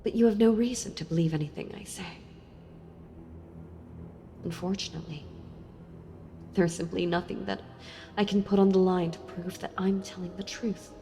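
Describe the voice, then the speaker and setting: A woman playing a sealed-away female villain in an audio role-play, speaking to the listener tenderly, intimately and with hesitant pauses. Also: fairly low pitch, mellow, a little hiss or hum, close to an everyday voice. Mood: hurt, resigned. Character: sealed-away female villain, wistful, softly seductive and enthralled. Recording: long reverb with music behind. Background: music.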